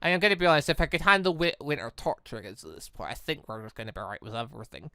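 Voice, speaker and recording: A man giving rambling, excitable let's play commentary on a close microphone, slipping between asides and character readings. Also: medium pitch, racing, smooth, no room sound. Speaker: gaming channel host. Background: game music.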